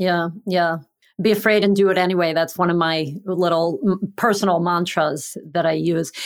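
In an American accent, an unremarkable speaking voice moves at a moderate pace with fairly even intonation and very even loudness, on a very clean recording with a silent background. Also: woman, fairly low pitch for a woman. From New York. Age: 50s. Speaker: podcast host. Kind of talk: casual chat.

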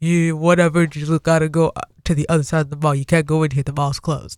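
A woman puts on a nasal character voice with a very deep, low pitch. She talks at a very fast pace in a monotone, flat way. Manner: curt, dismissive.

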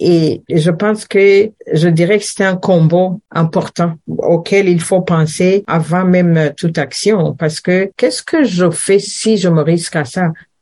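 A somewhat breathy voice speaks at a very slow pace, its loudness very even and its intonation fairly even, with hardly any pauses. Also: woman, fairly low pitch for a woman. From Rwanda. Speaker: director of a women's centre. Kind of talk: interview. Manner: halting with repetitions.

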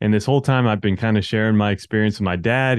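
A man has an ordinary speaking voice, with a fairly low pitch and fairly even intonation. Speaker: finance podcast co-host, business owner. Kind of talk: casual interview conversation. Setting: remote call from a home.

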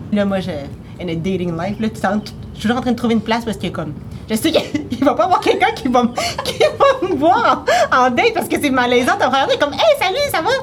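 A woman talks at a fairly quick pace in a high pitch with very wide pitch swings. Noticeable background noise runs underneath. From Quebec (Gatineau, Aylmer). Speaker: interviewee. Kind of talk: casual conversation.

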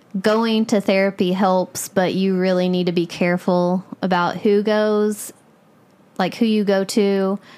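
A woman's medium-pitched voice in a Southern US accent, flat and monotone, at a fairly slow pace. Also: very even loudness. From Arkansas, Clarksville. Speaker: accountant and jiu-jitsu gym co-owner. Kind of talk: personal testimony in interview.

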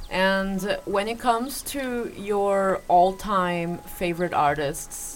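A woman with a Portuguese accent and a medium-pitched voice. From Brazil. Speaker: podcast host. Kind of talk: casual interview chat. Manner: animated.

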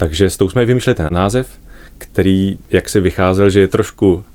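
A man speaks with a very deep, low pitch. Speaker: bass singer and ensemble artistic director. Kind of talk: radio interview. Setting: radio studio.

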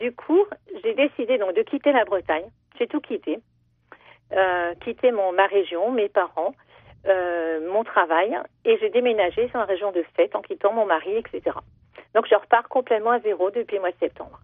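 The speech has long, frequent pauses. Its pitch variation is ordinary. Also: woman, fairly high pitch for a woman, moderate pace. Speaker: caller. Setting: phone call.

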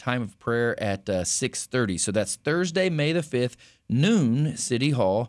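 A man talks at a moderate pace in a normal speaking voice of medium pitch. The recording is very clean with a silent background. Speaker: preacher hosting a Bible call-in radio show. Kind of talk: radio talk show. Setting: radio studio.

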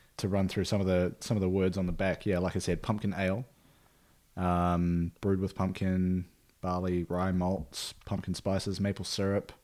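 Very deep and low, a man's voice with an Australian accent stays monotone and flat at a very even loudness, on a very clean recording with a silent background. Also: moderate pace. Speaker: podcast co-host. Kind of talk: casual chat.

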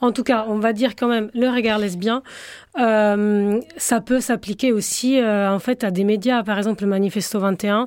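On a very clean recording with a silent background, a woman with a fairly high voice speaks fairly slowly with very even loudness and fairly even intonation, a plain, everyday voice. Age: 20s. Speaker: journalist and media co-founder. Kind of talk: interview.

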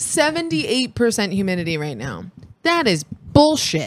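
Animated in tone, a woman with an American accent speaks with very wide pitch swings. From Southern California. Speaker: podcast co-host. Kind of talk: casual banter podcast chat. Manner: animated, joking.

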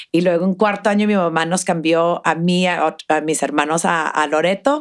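On a very clean recording with a silent background, a woman with an unremarkable speaking voice talks at a moderate pace, medium in pitch, with ordinary pitch variation. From Mexico–US border, Ciudad Juárez / El Paso. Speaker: fashion magazine editor. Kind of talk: casual interview.

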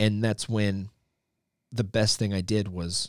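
This is a man speaking with an American accent. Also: very clean recording, silent background. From US Midwest, Anderson, Indiana. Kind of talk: casual chat.

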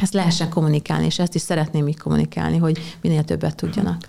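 A woman with a very deep, low pitch and a dark, mellow tone speaks at a very fast pace, with vocal fry. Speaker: farmer and agricultural blogger. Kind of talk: interview.

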